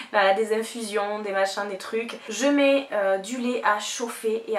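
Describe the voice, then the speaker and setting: There is noticeable background noise as a woman at medium pitch speaks at a fairly slow pace. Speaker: YouTuber. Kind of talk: vlog. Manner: hesitant, many fillers.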